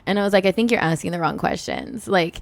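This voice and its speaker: Laughing, animated woman comedian. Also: on the low side, quick pace, vocal fry, dry recording. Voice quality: loud voice. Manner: animated, laughs often, acts out quoted replies. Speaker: comedian and podcast guest. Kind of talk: casual chat.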